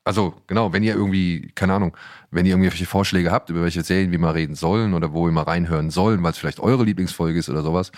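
A man's voice: low-pitched, steady tone, quick pace, darkish tone, dry recording, clean studio sound. A man chatting casually as a podcast co-host, in a colloquial, rambling way. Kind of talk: casual chat.

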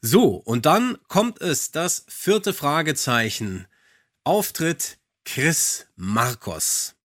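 A man's voice: on the high side, sing-song, drawn-out words, a bit bright, no echo. A man co-hosting a podcast, asking questions and moderating in casual chat. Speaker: podcast co-host.

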